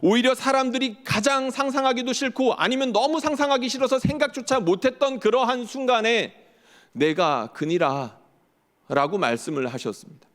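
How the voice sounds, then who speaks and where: A man's voice: very high-pitched, animated, a little fast, hardly any pauses, a bit bright. A male pastor preaching a sermon in earnest, often posing rhetorical questions to the congregation. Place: church sanctuary. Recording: long church hall reverb.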